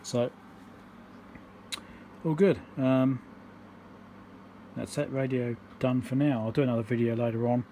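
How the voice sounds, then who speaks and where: Mellow-voiced man explaining electronics repair casually. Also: mid-range voice, steady tone, a little slow, pauses often, slight background noise. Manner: rambling, matter-of-fact, thinking aloud.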